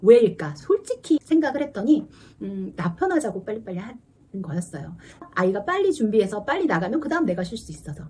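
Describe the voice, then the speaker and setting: A woman in her forties, a teacher and mother, talking earnestly to camera about parenting and acting out quick exchanges with her child. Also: medium pitch, sing-song, warm tone, a little hiss or hum. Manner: earnest, confiding, acts out dialogue with her child. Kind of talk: casual parenting talk to camera.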